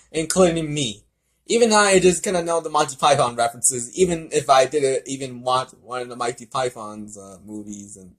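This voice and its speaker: A man with a mid-range voice hosts and reads aloud in a casual way. His delivery is halting, with stumbles and repeated words as he goes. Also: mid-range voice. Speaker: amateur fan fiction reader and video host. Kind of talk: casual commentary and read-aloud storytelling.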